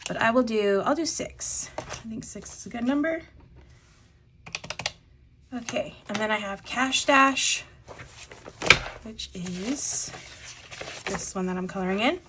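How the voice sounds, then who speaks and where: A young woman who vlogs about budgeting chats casually over a cash-stuffing voice-over, rambling through her weekly budget and pausing on fillers as she settles each amount. Her medium-pitched voice is slightly congested from a lingering cough, and distinct clicks and tapping come through a noisy background.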